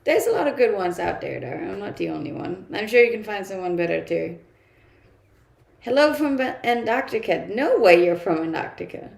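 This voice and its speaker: A woman's voice: mid-range voice, big pitch swings, moderate pace, creaky, darkish tone, roomy sound. A young woman from Denmark whose first language is Danish, chatting casually on a live stream and reading out viewer comments, laughing often and using many fillers.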